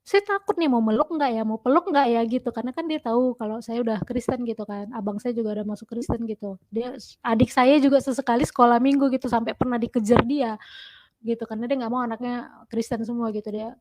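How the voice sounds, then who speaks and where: Animated woman telling a personal story. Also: on the high side, quick pace, no room sound. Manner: animated, many fillers. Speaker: testimony guest. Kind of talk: personal testimony, casual storytelling.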